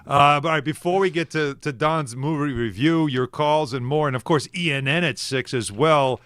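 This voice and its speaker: A man co-hosting a sports radio show in a studio, teasing his partner in an animated way and then reading a sponsor spot. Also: on the high side, moderate pace, clean tone, no room sound. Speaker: radio co-host. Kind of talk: casual sports radio banter. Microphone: studio microphone.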